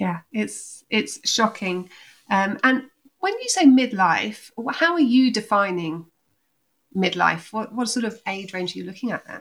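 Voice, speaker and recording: A woman in an ordinary speaking voice talks at a fairly slow pace, fairly high in pitch, with lively intonation and big swings in loudness. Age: 40s. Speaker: leadership coach and podcast host. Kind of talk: scripted narration; interview.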